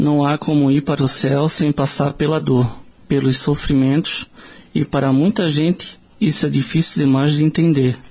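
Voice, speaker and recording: A man speaks with a fairly high pitch and a dark, mellow tone that is somewhat breathy. His pace is moderate, his loudness very even and his intonation fairly even. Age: 30s. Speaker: logistics worker. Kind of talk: reading aloud.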